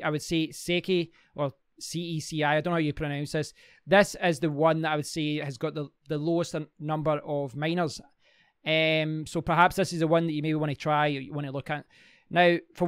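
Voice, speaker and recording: A man's voice: fairly high pitch, clear, resonant tone, dry recording, clean studio sound. A man hosting his own channel, talking casually through a screen share, rambling with many fillers and restarts. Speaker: crypto mining channel host.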